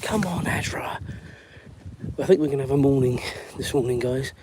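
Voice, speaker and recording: A man in his forties from the London area with an English accent and a raspy voice, hosting a live chat while walking his dog outdoors and breaking off to call her along. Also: mid-range voice, fairly quick. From England. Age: 40s. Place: outdoors on a windy street. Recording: windy outdoor phone recording. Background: wind noise.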